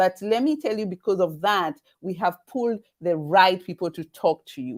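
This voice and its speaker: A woman's medium-pitched voice with a Kenyan accent. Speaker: webinar host. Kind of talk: live webinar presentation. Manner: halting, many fillers.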